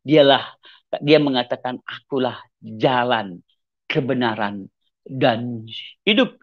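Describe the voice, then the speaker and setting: A man's voice: expressive, slow pace. Earnest Acehnese evangelist man, dull audio. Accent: Acehnese with mixed Medan, Timor and Malaysian traces. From Aceh, Indonesia. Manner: earnest, repetitive, sudden rises in pitch for emphasis. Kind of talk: personal testimony to camera.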